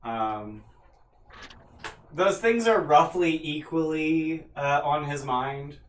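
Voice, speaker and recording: Lively male game master, roomy sound. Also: a little high, slow pace. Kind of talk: casual tabletop game narration. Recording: roomy, distant mic with faint noise.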